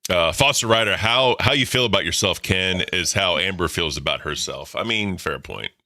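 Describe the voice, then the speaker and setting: A deep-voiced man in his thirties hosting a livestream, talking casually in a blunt, profane, rambling way. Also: moderate pace, bright, forceful tone. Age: 30s. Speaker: livestream host. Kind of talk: casual chat.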